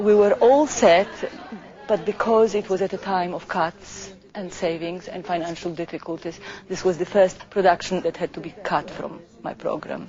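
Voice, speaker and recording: With a Polish accent and a medium pitch, a woman speaks at a moderate pace with ordinary pitch variation and big swings in loudness, crowd noise in the background. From Poland. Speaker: theatre artistic director. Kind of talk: documentary interview.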